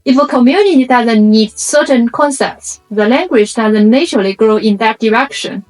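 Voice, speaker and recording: A woman from China, whose first language is a Chinese dialect and who speaks with a Chinese accent, narrates a reflective, scripted video essay in short, measured, explanatory phrases. Her voice is fairly high and a little mellow, with soft music behind her and a rough recording quality.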